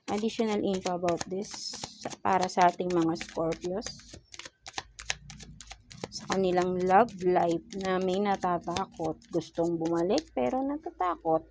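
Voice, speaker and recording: Here the tarot reader has a lowish, expressive voice with vocal fry, heard over a noisy background. Speaking with a Filipino accent, she blends Tagalog and English, asking coaxing rhetorical questions in a slow, murmured plea while drawing cards.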